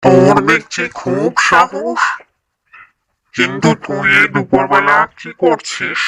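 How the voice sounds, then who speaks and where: A man voicing a white-haired old female ghost in a cartoon, bossy but kind-hearted, with theatrical drawn-out exclamations. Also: medium pitch, very animated, crowd noise. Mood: sympathetic. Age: older. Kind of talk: Bengali horror-comedy cartoon voice acting.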